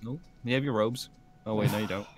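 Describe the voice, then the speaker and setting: A man's voice: fairly low pitch, fairly even intonation, fairly quick. A man playing a tabletop roleplay game with playful, teasing banter. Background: faint background music.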